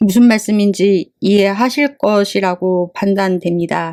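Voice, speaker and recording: Speaking at a very slow pace, a woman keeps to a medium pitch. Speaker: political YouTuber. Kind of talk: political commentary monologue. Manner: halting, self-correcting.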